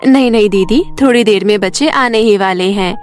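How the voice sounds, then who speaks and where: A woman's voice: mid-range voice, moderate pace, soft background music, lightly acted. A woman voicing a mild, reasonable young mother and put-upon sister-in-law in a Hindi cartoon story. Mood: protesting gently.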